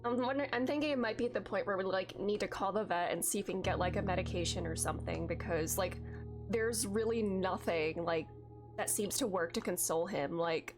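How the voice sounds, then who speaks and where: A young woman streaming a game, chatting casually with viewers, with a congested voice and lots of filler likes. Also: medium pitch. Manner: chatty, many filler likes, excited outbursts at finds. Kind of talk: casual gameplay chat with viewers.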